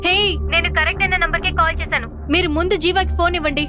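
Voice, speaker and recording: A woman's voice: very high-pitched, steady tone, rapid-fire, music in the background. A stubborn, mysterious woman caller. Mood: insistent. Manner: insistent, sharp.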